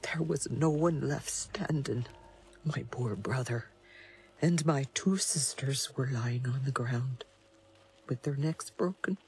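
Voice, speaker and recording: A woman playing a haunted, grieving survivor, hushed and sorrowful. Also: a bass voice, slow pace, a little hiss or hum, full character voice.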